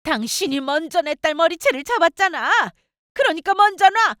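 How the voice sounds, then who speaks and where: A woman's voice: very high voice, expressive, moderate pace, fairly bright tone, voice pushed up. A woman voicing a firm middle-aged mother confronting someone in a story radio drama. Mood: stern.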